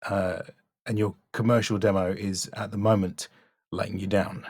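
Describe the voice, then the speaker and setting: A man's voice: on the low side, flat delivery, moderate pace, a little mellow, husky, no echo, clean studio sound. A man giving a spoken critique as a voice-over coach, blunt but encouraging, with emphatic delivery. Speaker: voice-over demo coach and reviewer.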